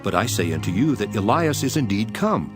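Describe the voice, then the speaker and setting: A male actor plays a solemn, authoritative holy teacher in a Bible audio drama. His voice is fairly low and swings widely as he declaims. Music plays underneath. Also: sing-song, a little fast. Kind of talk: dramatized King James scripture reading. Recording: music behind the voice.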